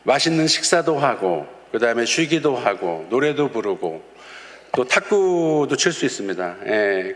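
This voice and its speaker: With a fairly bright, medium-pitched voice, a male pastor preaches in a church sanctuary. He narrates stories, acts out quotes from children and chuckles from time to time. A long church reverb colors the sound.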